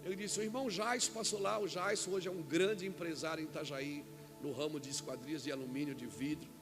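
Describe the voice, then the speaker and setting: Brazilian pastor man preaching, tells stories, voice a bit high, music going behind. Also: steady tone, a little fast. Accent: Brazilian Portuguese. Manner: storytelling with quoted dialogue, shouting at peaks. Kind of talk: sermon. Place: church event hall.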